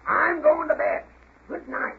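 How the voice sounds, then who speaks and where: Fiery old Western pa, high creaky scolding voice, vintage radio drama. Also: male voice, measured pace, heavily acted. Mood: grumpy, blustering. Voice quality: creaky, cracking old-timer voice. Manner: blustering, scolding. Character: cantankerous old frontier father, a fire eater. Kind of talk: 1930s radio acting. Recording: tinny 1930s radio recording.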